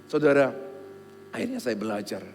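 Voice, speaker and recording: A middle-aged pastor preaching a Christmas sermon in an animated way, swinging between loud exhortation and quiet, humorous storytelling. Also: male voice, mid-range voice, moderate pace, slight background noise. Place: large church hall. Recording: long hall reverb with faint music.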